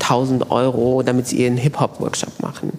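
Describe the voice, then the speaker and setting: A man speaks in a plain, everyday voice. His pitch is medium and his pace is moderate. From Germany and Morocco. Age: 30s. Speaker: journalist and author. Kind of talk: panel discussion. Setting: stage with audience.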